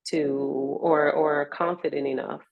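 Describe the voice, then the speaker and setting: A woman's voice: low-pitched, steady tone, measured pace, gravelly, no room sound, highs cut off. An American woman in a reflective interview conversation, speaking in an earnest, encouraging way. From Richmond, United States.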